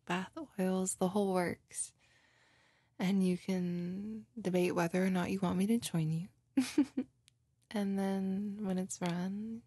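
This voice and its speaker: A woman's voice: medium pitch, darkish tone, no echo. A woman playing a doting, lovey girlfriend in an intimate, cooing roleplay ASMR, tenderly comforting and gushing over her partner up close. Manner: cooing, gushing, breathy, often giggling. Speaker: roleplay audio performer.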